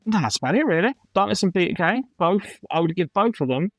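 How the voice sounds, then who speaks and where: Enthusiastic, teasing male co-host with a fairly high voice, casual swearing. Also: expressive, fairly quick, no room sound. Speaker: podcast co-host. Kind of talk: casual chat.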